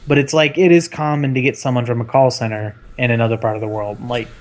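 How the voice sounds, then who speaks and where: A man's voice: medium pitch, steady tone, quick pace, darkish tone. Blunt, self-mocking male co-host. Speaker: podcast co-host. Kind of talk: casual gaming podcast chat.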